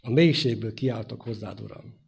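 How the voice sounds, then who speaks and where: A man preaching a sermon, his delivery swinging from loud emphatic phrases to hushed endings. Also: lowish voice, vocal fry, slightly rough. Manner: dynamic preaching, rising loud then dropping to hushed.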